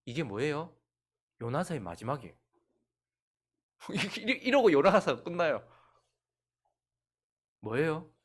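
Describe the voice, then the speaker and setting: A male pastor preaching a sermon. He swings between loud outbursts and hushed whispers. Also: a little high, very animated, slow pace, long pauses.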